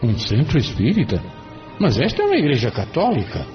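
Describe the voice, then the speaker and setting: A man voicing a calm, kindly spirit mentor who asks measured questions in an audiobook drama. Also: medium pitch. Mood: inquiring. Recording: dull lo-fi, distant from mic, music behind.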